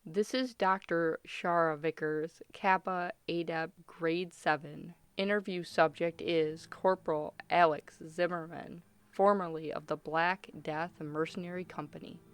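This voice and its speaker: A woman's voice: lowish voice, fairly even intonation, unhurried, hardly any pauses, clear, resonant tone, lightly acted. A woman playing a firm, clinical doctor conducting a formal interrogation in a radio play. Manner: formal, controlled, official.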